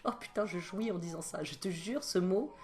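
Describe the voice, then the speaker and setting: A woman's voice: fairly low pitch, normal speed, a little mellow. A woman energy healer chatting through spiritual advice at home, digressing often and adding joking asides. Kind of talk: casual spiritual advice vlog.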